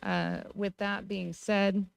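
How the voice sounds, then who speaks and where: An American woman speaking as a city council member at a public meeting, giving her view in a measured, informal way. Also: medium pitch, flat delivery, creaky. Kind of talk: deliberative public meeting remarks.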